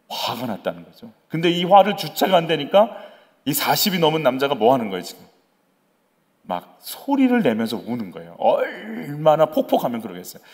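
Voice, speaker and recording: A man preaching a sermon as the pastor of a church, asking the congregation questions and acting out voices. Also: on the high side. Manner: animated, acts out quoted voices; conversational, asks the congregation questions.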